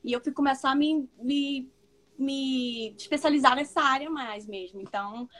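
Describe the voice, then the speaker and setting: A young comics editor from Manaus speaks with a northern Brazilian accent. Her voice sits high, and she talks in a loose, chatty way, full of fillers and quick laughs. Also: fairly bright tone. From Manaus, Amazonas, northern Brazil. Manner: chatty, laughs often, many fillers and restarts. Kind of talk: casual interview chat.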